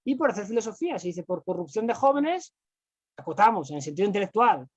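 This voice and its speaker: A man's voice: sits high, very animated, fast talker, slightly rough, no echo. A man, a guest explaining philosophy in conversation, who talks on in long runs full of fillers and rhetorical tags. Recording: dull, lo-fi dry sound.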